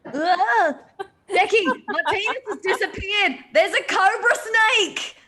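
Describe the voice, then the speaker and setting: A woman's voice: extremely high pitch, takes it slowly, sharp tone, voice pushed up, full character voice. A woman playing a squeamish, easily alarmed young man, a dinner guest in a table read of a film script. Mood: panicked.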